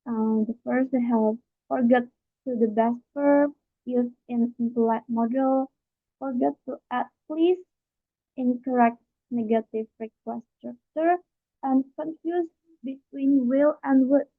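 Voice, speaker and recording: Indonesian-accented young woman, slow and halting. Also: fairly high pitch, no room sound, soft background music. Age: young adult. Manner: halting, reads in short phrases with pauses and fillers. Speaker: university student presenting. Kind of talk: slide-presentation lesson. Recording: dry, phone-like narrow sound.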